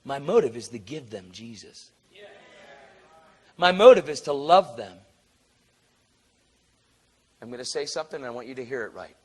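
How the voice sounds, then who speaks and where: A man preaching a sermon through a story, acting out the people he quotes with sudden loud high jumps and dropping to a soft, earnest low tone. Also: normal speed, pauses often, husky. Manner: animated, acts out quotes with big jumps in pitch and volume; drops to a low, soft, earnest tone for tender moments.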